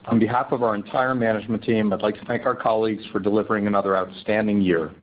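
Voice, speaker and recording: A man's voice: on the low side, steady tone, fast. A man speaking as a company executive, giving formal scripted remarks over lo-fi conference call audio.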